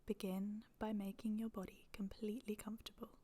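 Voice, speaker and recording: A woman guides a relaxation practice in a hushed, breathy voice. Her intonation stays level and barely moves. She is gentle and soothing, leaving long pauses between short phrases. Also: mid-range voice, level tone. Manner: soft, breathy, near-whispered delivery. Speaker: yoga nidra meditation guide. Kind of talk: guided meditation.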